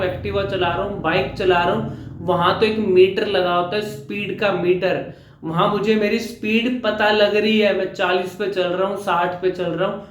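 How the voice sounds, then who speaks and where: A speaking coach giving a reassuring vlog lesson to viewers, repeating phrases and mixing in English words. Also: male voice, high-pitched, echoey room.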